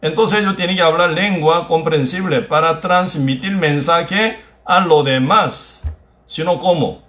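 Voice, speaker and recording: A Korean man who is a native Korean speaker preaches a sermon with a Korean accent. He speaks in halting, broken phrases and keeps adding tag questions. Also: fairly high pitch, a bit bright, reverberant. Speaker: pastor. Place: church.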